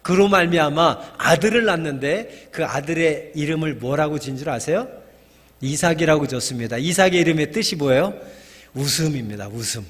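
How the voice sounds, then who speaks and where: A man's voice: fairly high pitch, moderate pace, fairly bright tone. A middle-aged male pastor preaching a sermon in a church, posing questions to the congregation and acting out quoted lines. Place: church sanctuary. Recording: long church hall reverb.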